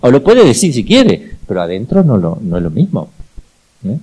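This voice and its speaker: Older priest with a mellow voice. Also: male voice, wildly swooping pitch, moderate pace, slightly rough, low-quality recording. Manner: storytelling, acts out voices with sudden high pitch jumps. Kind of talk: sermon.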